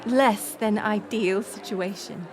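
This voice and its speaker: Woman acting a slow-spoken regal queen. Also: medium pitch, background noise, natural voice. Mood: earnest reassurance. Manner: formal, stately, measured diction. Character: regal middle-aged queen and mother, gracious, reassuring, resolute. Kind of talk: scripted audio roleplay acting.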